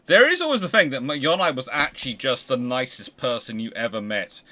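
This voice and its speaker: Bright-voiced man hosting a history discussion. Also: medium pitch, wildly swooping pitch, a little fast. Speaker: host of a history discussion show.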